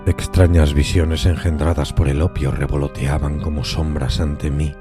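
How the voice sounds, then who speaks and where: A man giving a dramatic, theatrical literary narration of a gothic horror story, moving between hushed and emphatic phrasing. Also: a bass voice, flat delivery, normal speed, over loud music. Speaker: podcast narrator reading a horror tale.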